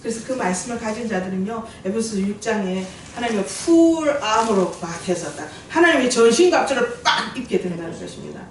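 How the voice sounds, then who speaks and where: A middle-aged woman, preaching a sermon as a missionary in lively storytelling with jokes for the congregation. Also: fairly high pitch, slight background noise. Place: church sanctuary. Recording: very echoey church hall, distant mic.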